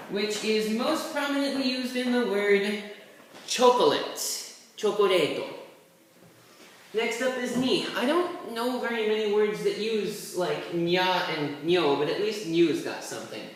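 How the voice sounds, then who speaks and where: Here the language tutor, in a mid-range voice, takes things slowly during an easygoing, meandering tutorial while writing characters and making passing asides. The voice is captured from a distance in a very reverberant room, with faint hiss.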